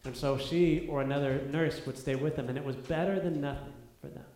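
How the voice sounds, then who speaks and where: A man's voice: fairly high pitch, fairly even intonation, fairly quick, warm tone. A man preaching a sermon, earnest and building to emphatic peaks with repeated phrases, in a church sanctuary. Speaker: pastor. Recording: echoey room.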